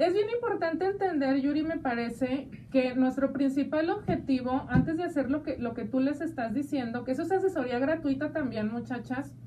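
A woman with a Mexican accent hosting a talk show, chatty and playful, speaking warmly to her listeners. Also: high-pitched, moderate pace, few pauses, far from the mic, a little hiss or hum. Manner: chatty and playful, calls listeners "hija de mi vida". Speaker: radio show host. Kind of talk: casual talk show chat.

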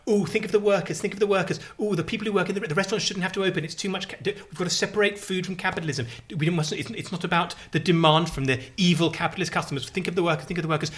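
A man's voice: high voice, pushed and bright. A man co-hosting a casual chat, telling wry stories and ranting with gusto. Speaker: podcast co-host.

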